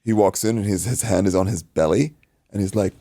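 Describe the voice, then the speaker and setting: A man with a low, creaky voice, recorded close and dry, spins a story in loose conversational style. He is from Iraq and speaks Arabic natively. He acts out people's dialogue and peppers it with swearing and "dude". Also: a little fast, warm tone, no room sound. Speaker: podcast guest, martial arts coach and stunt performer. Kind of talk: animated anecdote in casual chat.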